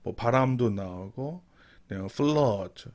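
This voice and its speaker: Slow, deliberate male Bible English teacher. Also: medium pitch, animated, darkish tone. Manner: reads English verses very slowly, then explains in Korean; repeats and rephrases key words. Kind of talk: Bible verse English lesson.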